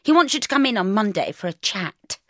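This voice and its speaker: A brisk British mum takes charge, swooping her voice up and down as she barks cheerful orders, as a woman reads her. She sounds theatrical and emphatic. The sound is close and dry. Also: medium pitch, very animated, fairly bright tone, no room sound, pitched above the performer's own voice. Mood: gushing. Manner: gushing, emphatic, commanding. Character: brisk bossy middle-aged mother, breezy and theatrical.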